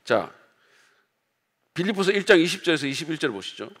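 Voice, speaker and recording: A male pastor delivers a sermon in a relaxed, conversational way, speaking directly to his congregation. His voice sits a little higher than most men's. The words trail off into the long reverb of a church sanctuary. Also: a little fast, slightly rough. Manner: conversational preaching, acts out quoted outbursts loudly.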